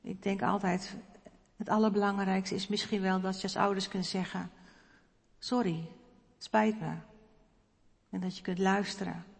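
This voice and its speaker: A woman preacher giving a reflective, personal sermon in a church, pausing now and then with hesitant fillers. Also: mid-range voice, flat delivery, vocal fry. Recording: long church reverb.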